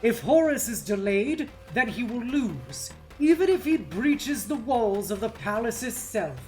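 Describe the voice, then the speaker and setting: Woman voicing a grave, slow-speaking male warrior commander. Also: a little high, very animated, darkish tone, faint music behind. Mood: determined, stern. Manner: solemn, deliberate, declamatory. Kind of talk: dramatic novel read-aloud.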